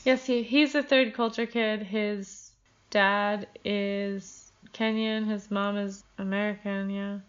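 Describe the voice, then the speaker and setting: A woman's voice: medium pitch, fairly even intonation, slow, clean tone, dull audio. A woman co-hosting a podcast, chiming in with brief, supportive remarks in casual talk. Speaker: podcast co-host. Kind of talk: casual chat.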